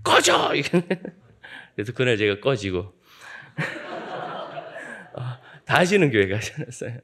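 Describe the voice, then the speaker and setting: A man in his fifties, a guest pastor preaching at a dawn church service, telling joking stories from his childhood in a lively way. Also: mid-range voice, a little slow. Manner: lively, joking anecdotal storytelling. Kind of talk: sermon with humorous storytelling.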